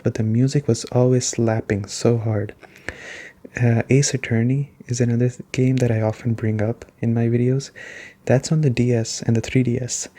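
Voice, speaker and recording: A soft-spoken man with a medium-pitched voice gives a relaxed, rambling ASMR game review. He keeps it conversational and repeats points for emphasis.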